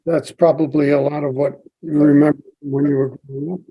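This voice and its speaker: An older man hosting a podcast, asking halting questions that trail off. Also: fairly high pitch, flat delivery, slightly rough, lo-fi sound. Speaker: podcast host, newspaper founder. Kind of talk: interview questions.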